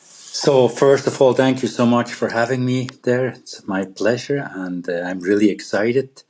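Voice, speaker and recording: A middle-aged man from Switzerland with a Swiss accent, a guest telling his story in a podcast interview, pausing often and restarting his sentences. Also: medium pitch, fairly even intonation, darkish tone. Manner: halting, with frequent pauses and restarts. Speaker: guest wildlife photographer.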